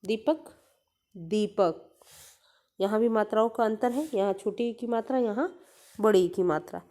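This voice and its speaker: A woman's voice: medium pitch, unhurried, mellow. A woman teacher giving a grammar lesson to young children, patiently repeating each word aloud and explaining letters and vowel signs step by step.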